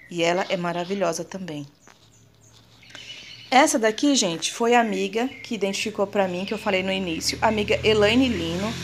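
A Brazilian woman hosts a relaxed show-and-tell vlog and talks at a middling pitch. She is chatty and fond, full of little pet words, and keeps calling out to her viewers. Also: a little hiss or hum. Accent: Brazilian Portuguese. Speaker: plant vlogger.

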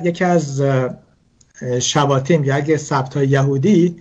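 A man's voice: fairly high pitch, a little mellow, husky, lo-fi sound. A man explaining religious wedding customs in a talk show, hesitant, with many fillers and restarts. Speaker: guest speaker on Jewish customs.

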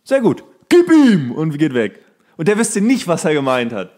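A man's voice: on the high side, wildly swooping pitch, normal speed, mellow. A man in casual, comedic podcast banter as a co-host, joking and mock-indignant. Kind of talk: casual comedic banter, guessing slang words.

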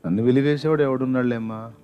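Man playing a calm, commanding old stranger, brisk and firm. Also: mid-range voice, muffled recording, faint music behind, natural voice.

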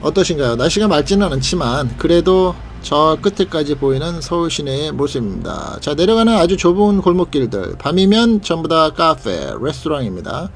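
A man's voice: a little high, sing-song, normal speed, hardly any pauses, slight background noise. A man hosting a travel vlog, narrating a leisurely tour in a guide-like way and pointing out sights. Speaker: vlog host.

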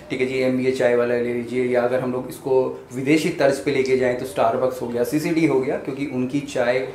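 A man in his thirties, a chef, explaining how to start a small food business to the camera, talking directly to the viewer with busy hand gestures. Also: mid-range voice. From India. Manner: gestures with both hands while explaining; conversational, addresses viewer directly. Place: indoor room in front of a chalkboard. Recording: roomy indoor echo, faint background hum.

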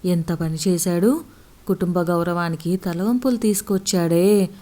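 A woman voicing a stern, proud middle-aged village father who scolds and shouts in fury. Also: lowish voice, fairly even intonation, a little slow, natural voice. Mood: furious.

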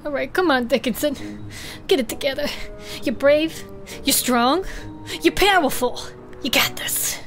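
A woman's voice: sits high, measured pace, pauses often, fairly bright tone, faint music behind, pitched above the performer's own voice. A woman voicing a nervous, blustering male deputy with jittery bravado in a tabletop game. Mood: self-encouraging. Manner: jittery, self-coaching bravado.

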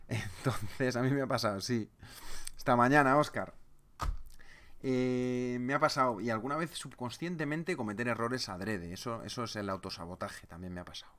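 A man from hosts a live trading webinar in a chatty, conversational way. He tells stories and answers viewers' comments as they come in, at a middling pitch for a man. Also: fairly bright tone. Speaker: trading seminar presenter.

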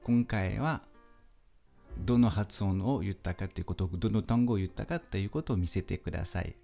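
A man teaching a pronunciation lesson, speaking slowly and patiently and repeating sounds for the listener to pick out. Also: sits low, creaky, warm tone, soft background music. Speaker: French teacher. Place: language school.

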